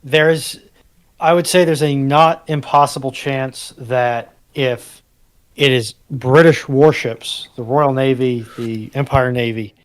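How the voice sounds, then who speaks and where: A man from the United States discussing history analytically, with measured, deliberate phrasing. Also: medium pitch, fairly even intonation.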